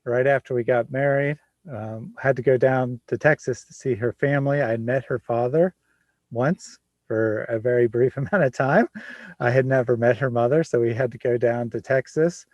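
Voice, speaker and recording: A man of forty hosting a casual livestream, chatting in a relaxed way and laughing often. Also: mid-range voice, normal speed, no echo, muffled recording. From Midwest United States. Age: 40s. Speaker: livestream host.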